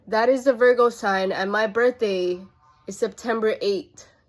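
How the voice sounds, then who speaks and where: A woman is speaking. She talks at a moderate pace. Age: 30s. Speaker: lifestyle vlogger. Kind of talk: casual monologue. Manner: casual, hesitant with fillers.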